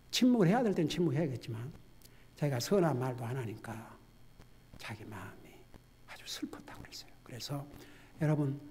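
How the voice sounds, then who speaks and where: Husky-voiced male pastor preaching in church, going from whisper-quiet to loud, keeps asking the congregation stuff. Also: a little high. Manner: swings from hushed near-whisper to loud exhortation; asks the congregation questions directly. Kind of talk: sermon.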